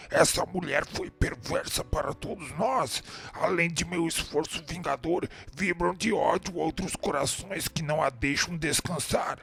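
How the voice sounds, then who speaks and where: A man's voice: fairly high pitch, a little slow, gravelly, a bit bright. A man playing the embittered, vengeful spirit of a former slave in a radio drama, declaiming accusations defiantly. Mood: furious, accusing. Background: music.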